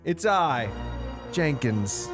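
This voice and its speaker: Picture a smug hook-armed villain who gloats and monologues like a cheap stage baddie, as a man hams him up. His voice swoops through a lively range. Faint music sits underneath. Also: a little high, extremely slow, heavily acted. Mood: gloating. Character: evil hook-armed male realtor villain, smug and theatrical.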